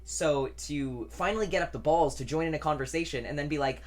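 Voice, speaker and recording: A young trans man chatting casually in a weekly vlog, rambling and self-deprecating, with a deep voice that doesn't carry. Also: brisk. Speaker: vlogger.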